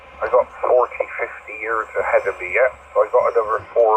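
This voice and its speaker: Noticeable background noise behind a man's moderate-paced talking. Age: 60s. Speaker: radio amateur. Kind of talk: casual chat. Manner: halting, many fillers.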